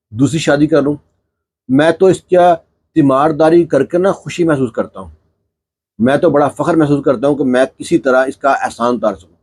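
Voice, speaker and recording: Man, storyteller, moral tale, earnest and heartfelt, slightly high-pitched, slips into characters' dialogue. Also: a little mellow, husky.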